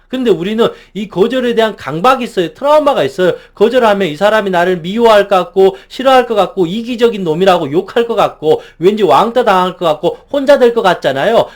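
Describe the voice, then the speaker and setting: A man lecturing as a counselor, talking emphatically and asking the listener rhetorical questions. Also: sits high. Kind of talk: motivational psychology lecture.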